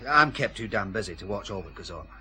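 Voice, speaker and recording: A man's voice: lowish voice, lively intonation, quick pace, sharp tone. An actor playing a blunt, harried warehouse foreman in a radio drama.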